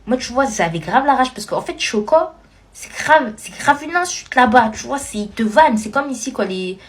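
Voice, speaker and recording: A woman from France telling a funny personal story in lively, slangy casual speech. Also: fairly high pitch, normal speed.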